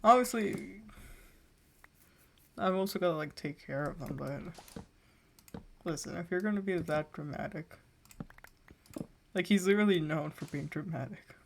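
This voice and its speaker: A woman's voice: lowish voice, moderate pace, creaky, pauses often, slight background noise. Rambling teen woman streamer, keyboard clicks. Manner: rambling storytelling, many filler likes. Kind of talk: casual chat while gaming.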